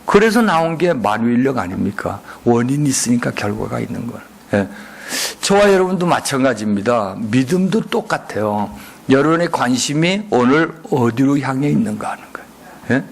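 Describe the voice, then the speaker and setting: 예배당에서 설교하는 중년 남성 목사로, 회중에게 수시로 질문을 던지고 응답을 유도한다. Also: male voice, mid-range voice. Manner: call-and-response, frequent rhetorical questions. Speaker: guest pastor. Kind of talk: sermon. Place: church sanctuary.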